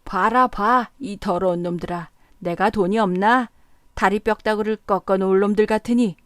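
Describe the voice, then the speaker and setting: A woman's voice: medium pitch, unhurried, a little mellow, dry recording, clean studio sound, lightly acted. Woman voicing a drunk bellowing rickshaw man. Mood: drunk angry. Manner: bellowing, cursing, slurring boasts.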